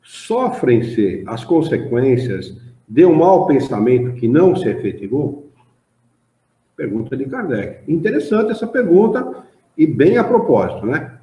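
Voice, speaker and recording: His mid-range voice swings widely in pitch, runs a little slow, and has a dark tone. This man, speaking with a Brazilian Portuguese accent, leads an informal study group in an association's hall, chatting with animation and reading passages aloud. It's a dull, echoey room recording.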